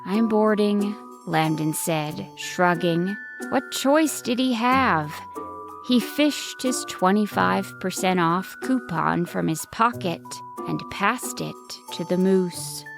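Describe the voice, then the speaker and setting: A woman's voice: lowish voice, lively intonation, takes it slowly, gravelly, over music. A woman narrating a scripted bedtime story for children as the storyteller.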